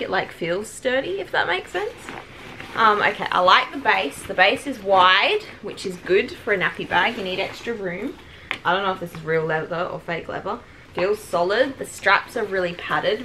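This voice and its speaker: A woman chatting casually at home as she reviews a product, with children nearby. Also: medium pitch. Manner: chatty and relaxed, with many "like" fillers. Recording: clearly noisy home recording.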